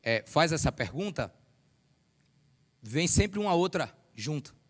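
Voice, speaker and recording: A hoarse male preacher whose deep, radio-announcer tone carries a friendly, joking warmth as he calls the congregation to answer amen. His voice comes through the church sound system and trails off into a long reverb across the sanctuary. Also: very animated, slow. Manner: chatty, jokes with the congregation, call-and-response amens. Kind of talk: sermon.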